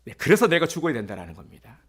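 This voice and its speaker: A man's voice: a little high, huge pitch swings, very fast, slightly rough. A male pastor giving a sermon in a conversational way, with fillers, rhetorical questions and acted-out quotes.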